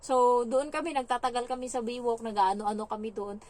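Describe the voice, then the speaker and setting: Speaking at a brisk clip in a slightly high voice, this young woman from the Philippines works as a domestic helper. She shares stories in a laid-back vlog, lively and talkative, packing her speech with fillers.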